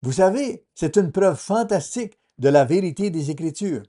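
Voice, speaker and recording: A man giving a translated sermon as a voice-over in a measured, earnest preaching manner. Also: sits high, lively intonation, dark tone.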